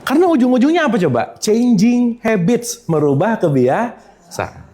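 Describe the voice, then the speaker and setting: A religious teacher with a very high voice gives a relaxed spiritual lesson to a live audience at a moderate pace. His pitch rises and falls widely, and he stays lively, constantly firing questions at his listeners.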